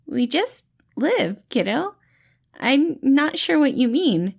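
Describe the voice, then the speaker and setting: A woman's voice: sits high, sing-song, slow pace, creaky, voice pushed up, exaggerated voice. A woman voicing a tiny, kindly, cheerful male healer who talks in an eager, reassuring, fatherly way for a storybook. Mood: upbeat, explaining. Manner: eager, reassuring, gentle, calls people kiddo.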